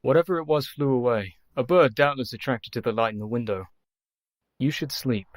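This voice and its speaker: A man playing an earnest young doctor, measured and devoted, in a radio play. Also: medium pitch, no echo, studio quality, natural voice. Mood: tender.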